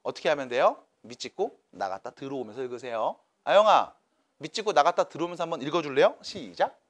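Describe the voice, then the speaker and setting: A man's voice: a little high, animated, fast. A man teaching a math class to students, coaxing and checking in with them by name.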